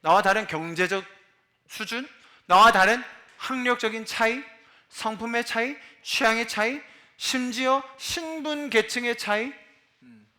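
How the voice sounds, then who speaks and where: A man's voice: very high voice, pushed and bright. A man in his forties from Busan, a pastor preaching a sermon in a chatty way and asking the congregation questions. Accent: Busan Gyeongsang dialect. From Busan, South Korea. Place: church sanctuary.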